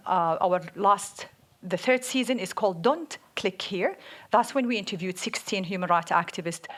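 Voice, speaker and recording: A woman with an Arabic accent, co-hosting a live podcast on stage, speaking in an energetic, outspoken way and laughing often. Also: medium pitch. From Saudi Arabia. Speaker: podcast co-host. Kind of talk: live podcast panel talk.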